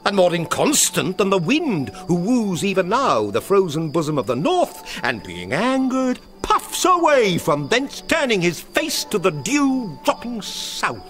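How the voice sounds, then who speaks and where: A man's voice: high-pitched, huge pitch swings, a little slow, hardly any pauses, a bit bright, soft background music, heavily acted. An actor with a British accent playing a witty, mercurial young nobleman in a Shakespearean radio drama, theatrical and teasing, swinging between gleeful and brooding. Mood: wistful, intense. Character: mercurial, witty young nobleman spinning fantastical bawdy tales.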